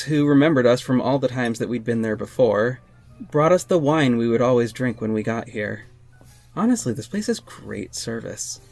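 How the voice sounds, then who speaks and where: A man's voice: mid-range voice, creaky, a little mellow. An actor playing a hurt young gay man who narrates and speaks in an audio drama, earnest and emotional. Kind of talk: audio drama acting and first-person narration.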